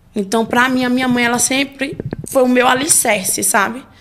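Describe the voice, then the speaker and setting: Noticeable background noise runs behind a woman's high-pitched voice. She speaks at a moderate pace. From Pernambuco, Brazil (Limoeiro, near Recife). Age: 20s. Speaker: podcast guest. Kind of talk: interview about her life.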